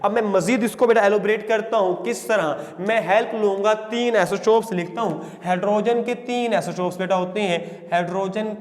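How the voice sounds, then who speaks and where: A male teacher giving a classroom lecture, calling his students "beta", asking questions and answering them himself, and dictating definitions slowly word by word. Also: sits high, in a large hall.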